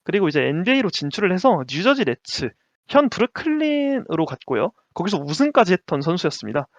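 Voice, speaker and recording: Casting: animated male co-host, higher voice, dull dry lo-fi sound. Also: fairly quick, dry recording. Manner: lively, laughs often, stumbles over names. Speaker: podcast co-host. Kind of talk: casual basketball chat.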